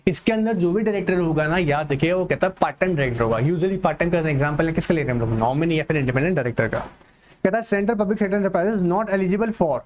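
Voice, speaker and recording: A man teaching an exam-prep lecture online, mixing Hindi with English terms and slowing down to read English text aloud. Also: fairly high pitch, lively intonation, a little mellow, slight background noise. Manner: asks and answers his own questions, slows to read English text aloud. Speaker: online tutor.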